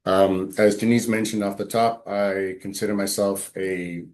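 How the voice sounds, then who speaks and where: Deep low guy doing a webinar talk over a video call, steady, lots of ums. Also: a little hiss or hum. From Quebec. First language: English. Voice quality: deep, measured, with frequent ums. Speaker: webinar presenter, patient navigation coordinator. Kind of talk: presentation with slides.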